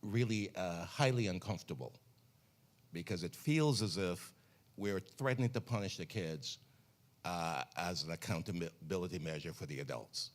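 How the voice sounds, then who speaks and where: A man on a panel, speaking in a measured way and conceding points as he argues. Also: deep voice, lively intonation. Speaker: panelist on education policy. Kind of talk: panel discussion.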